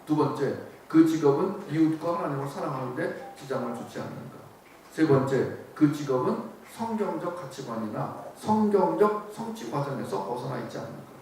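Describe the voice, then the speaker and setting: A middle-aged man, a missionary, giving a church seminar talk in a lively, joking way and acting out voices. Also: a little high, moderate pace, slight background noise. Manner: animated, joking, acts out voices. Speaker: missionary speaker. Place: church hall. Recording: very echoey hall, from a distant mic.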